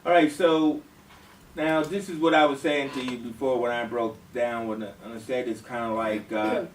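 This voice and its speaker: A man's voice: mid-range voice, fairly even intonation, normal speed. A man leading a workshop, giving informal feedback in an explanatory way and often checking that others agree. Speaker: workshop leader. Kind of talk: informal group feedback discussion. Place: echoey room, recorded from a distance. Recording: roomy, distant mic, faint noise.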